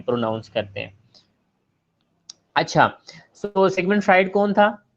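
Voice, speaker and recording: A man's voice: mid-range voice, lo-fi sound. A man giving an online class lecture, chiding and teasing his students.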